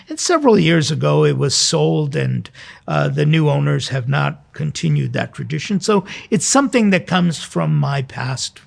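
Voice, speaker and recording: A man's voice: fairly high pitch, vocal fry. A middle-aged or older American man, a priest, giving an informal sermon with personal stories in a conversational, reflective way. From Southern California, United States. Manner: conversational, reflective, rhetorical questions. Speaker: priest, host.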